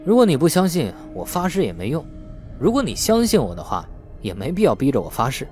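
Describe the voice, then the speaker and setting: A man plays a wily young male suspect in an audiobook. He is argumentative and slippery, feigning innocence with animated swings of pitch, over faint music. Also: brisk. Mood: evasive. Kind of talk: audiobook character dialogue.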